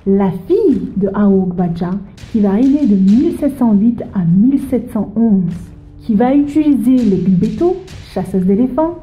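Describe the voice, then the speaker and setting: Woman history presenter, lively direct address, slightly dull sound, faint background music. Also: medium pitch, echoey room. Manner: lively, speaks to the viewer directly. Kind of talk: narrated history explainer.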